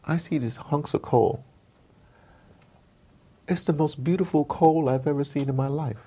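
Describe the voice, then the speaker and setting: Somewhat high and a little slow, with a breathy edge, the man's voice belongs to an interview guest sharing passionate, casual political views. He tells stories animatedly and emphatically, acts out dialogue, and favors slang and rhetorical questions.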